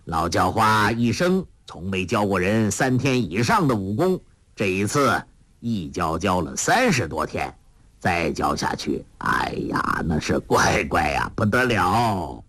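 A man putting on a gruff old beggar master. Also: low voice, big pitch swings, a bit bright, dry recording, voice pushed down, exaggerated voice. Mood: rueful. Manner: gruff, teasing, drawn-out exclamations.

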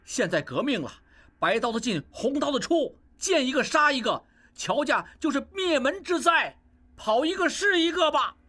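A woman voicing a hot-headed young clansman who talks loud and fast in a storybook reading. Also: fairly high pitch, very animated, breathy edge, full character voice. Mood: agitated. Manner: loud, rapid, blustering.

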